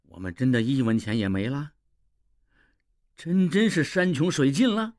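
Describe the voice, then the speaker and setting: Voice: mid-range voice, very animated, normal speed, darkish tone, no echo, studio quality, close to an everyday voice. A performer voicing a proud, penniless young male scholar who swings between whining and grand boasting, in an audio drama. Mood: complaining.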